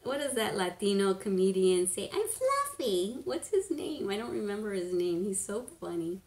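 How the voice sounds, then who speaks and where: A woman in her fifties chatting casually on a home live stream, rambling, laughing often and sometimes dropping to a hush. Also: medium pitch, sing-song, moderate pace. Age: 50s. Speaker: beauty vlogger, live stream host. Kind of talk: casual live-stream chat reading comments. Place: living room at home, indoors. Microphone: webcam at desk distance. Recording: echoey room.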